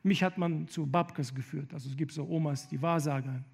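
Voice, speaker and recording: Gravelly, high-voiced man preaching passionately. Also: fairly even intonation. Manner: passionate, rising to loud emphatic appeals; halting, with stammered restarts. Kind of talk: sermon with personal testimony.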